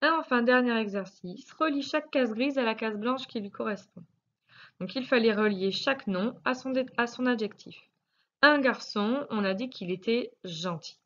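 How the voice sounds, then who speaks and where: A woman teacher with a French accent, slowly and patiently correcting a spelling lesson for young pupils, sounding out syllables. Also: fairly high pitch, a bit bright, lo-fi sound. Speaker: primary school teacher.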